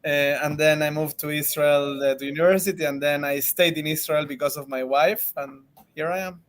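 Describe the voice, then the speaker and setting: A man's voice: on the high side, steady tone, fairly quick. A man from Venezuela, a marketing executive answering interview questions from his office, casual, with many fillers and restarts.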